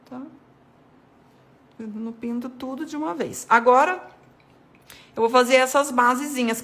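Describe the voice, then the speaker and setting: Her voice is on the high side and a bit bright as this art devotional host leads a relaxed, chatty watercolor tutorial. She addresses viewers as "gente," guiding them through each step and pointing things out while she paints.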